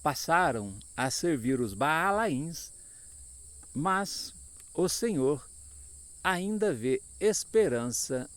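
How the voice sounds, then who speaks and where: Male preacher, sermon, slow and drawn out, lively swooping pitch, dry close sound. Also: no room sound. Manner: slow, emphatic preaching that often asks the flock for an amen.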